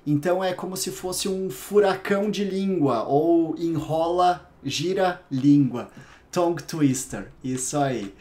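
A Brazilian man teaching a private English lesson, patiently explaining pronunciation and repeating English words slowly to demonstrate the sounds. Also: on the high side, warm tone. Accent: Brazilian Portuguese.

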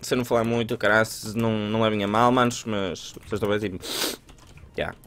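A young man with a European Portuguese accent and a cold, hosting casual gameplay commentary on a headset mic, excitable and swearing casually. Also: lowish voice. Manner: fast, excitable, laughs a lot, swears casually. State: congested with a cold. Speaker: gaming host.

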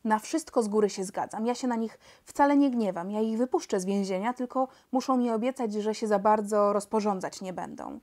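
An earnest boy king from a storybook reading, voiced by a woman narrator. He speaks eagerly, his lines lifted a touch higher and louder than the narration. The telling stays gentle and plain. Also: a little fast, hardly any pauses, lightly acted. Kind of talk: audiobook character reading.

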